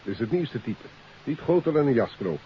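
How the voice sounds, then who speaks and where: A dull vintage radio recording with light hiss. A male actor plays an efficient inspector, respectful, in a mid-pitched voice. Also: animated, a little fast, lightly acted. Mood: efficient, keen. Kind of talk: 1950s radio drama acting. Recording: muffled hissy 1950s radio recording.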